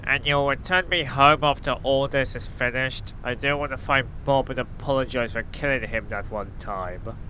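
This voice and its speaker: A man playing a blunt, deadpan, flippant superhero in an amateur audio drama. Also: moderate pace, hardly any pauses, natural voice. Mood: puzzled. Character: blunt, flippant male superhero, once a toy bird. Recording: clearly noisy with low rumble.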